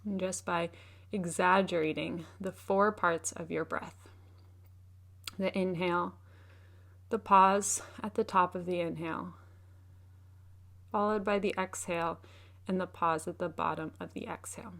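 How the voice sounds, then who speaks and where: A woman leading a guided meditation as a teacher, speaking in a gentle, unhurried, soothing way. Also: fairly low pitch, steady tone, creaky.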